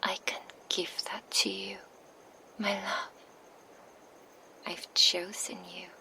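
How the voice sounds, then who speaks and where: A woman's voice: medium pitch, big pitch swings, slow pace, sharp tone, heavily acted, rough recording. A woman voicing a seductive, possessive female vampire in an ASMR roleplay, whispering close to a binaural microphone. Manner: intimate, purring whisper close to the ear.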